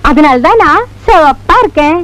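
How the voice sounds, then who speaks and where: An actress playing the warden's young sister, teasing and playful in a film comedy. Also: female voice, high-pitched, expressive, normal speed, fairly bright tone, low-quality recording.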